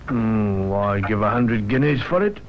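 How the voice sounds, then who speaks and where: An actor playing a kindly jeweller in his sixties, musing and unhurried, in a 1950s radio drama. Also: lowish voice, lively intonation. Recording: dull, noisy old radio recording.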